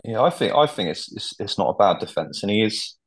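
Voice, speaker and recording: A man's voice: on the low side, very animated, a little fast. A man co-hosting a casual football podcast, rambling with many restarts. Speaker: podcast co-host.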